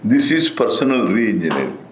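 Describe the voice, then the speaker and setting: An older man with an Indian accent gives a spiritual discourse as a Hindu teacher, deliberate and emphatic, repeating phrases and posing rhetorical questions. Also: on the low side, very animated, a little hiss or hum. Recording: roomy, echoing sound.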